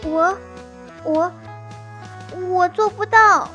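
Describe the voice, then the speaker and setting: A woman voicing a timid little boy mouse who trembles with fear, stammers and sometimes shouts, in a children's storybook. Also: sits high, moderate pace, soft background music. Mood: anxious. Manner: fearful, trembling, breaks into shouts.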